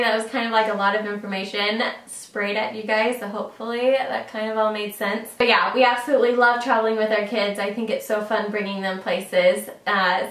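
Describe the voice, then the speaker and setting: A woman's voice: on the high side, fairly bright tone. A young woman chatting casually to camera, giving tips with lots of fillers. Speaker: vlogger sharing travel tips. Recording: roomy sound, mic at a distance.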